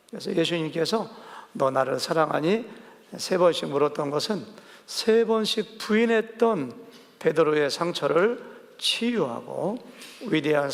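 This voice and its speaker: Gravelly-voiced male pastor in a reverberant church. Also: high voice. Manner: conversational, asks the congregation questions; acts out quoted dialogue vividly. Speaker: senior pastor. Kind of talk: sermon with congregation questions. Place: church sanctuary. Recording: church sanctuary with long reverb.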